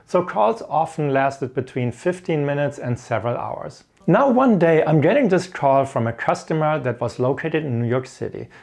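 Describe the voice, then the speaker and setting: A man's voice: a little high, gravelly, a little mellow. A middle-aged man from Germany with a German accent gives encouraging, explanatory career advice and tells stories from experience. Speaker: host of an IT career advice channel. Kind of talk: instructional talk with personal stories.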